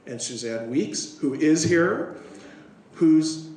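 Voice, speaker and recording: A man's voice: a little high, expressive, slow, darkish tone. Strained-voiced man in a roomy hall. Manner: hesitant with many fillers when speaking off the cuff. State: voice strained from a recent illness. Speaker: city councillor giving remarks. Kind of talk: formal ceremonial speech. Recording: roomy hall, distant microphone, faint ambience.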